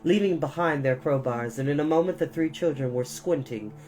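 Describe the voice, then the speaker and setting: A woman reading a children's novel aloud as a storyteller, in a deliberate, dramatic, expressive style. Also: deep voice, low-quality recording.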